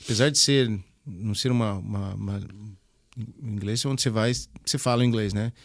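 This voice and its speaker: A man's voice: on the low side, brisk, no echo, studio quality. A man who leads a church youth ministry, chatting as a podcast guest and telling stories animatedly, often restarting his words. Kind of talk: casual interview chat.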